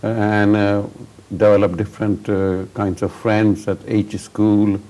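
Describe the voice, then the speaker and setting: A man hosting a television interview, asking questions in an unhurried way with many hesitations. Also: lowish voice, little pitch movement, warm tone. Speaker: talk show host.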